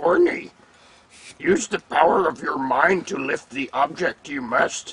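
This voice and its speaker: A man's cartoonish character voice, fairly high in pitch, at a fairly slow pace. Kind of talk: comic parody impression. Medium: puppet show. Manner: inverted word order, sage-like, pleased.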